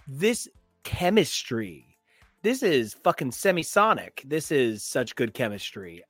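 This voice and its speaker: A man's voice: medium pitch, no echo. A man co-hosting a pop culture podcast, chatting casually and gushing about shows, with lots of fillers. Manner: animated and gushing, with frequent fillers. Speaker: podcast co-host. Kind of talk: casual chat.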